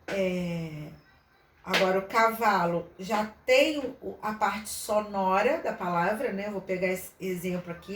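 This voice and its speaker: Explaining a handout in an online literacy lesson, a woman talks through her thoughts, stumbling over fillers and starting sentences again. Her medium-pitched voice comes from far from the mic, off-mic in a room full of echo with a little faint noise.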